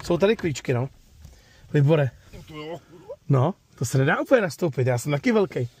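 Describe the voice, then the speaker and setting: Chatty man with a slightly high voice. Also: big pitch swings, darkish tone, breathy edge. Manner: chatty, informal, tags sentences with "jo". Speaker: host of a car review channel. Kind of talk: casual car walkaround and test drive vlog. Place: outdoors at a used car lot, then inside a car.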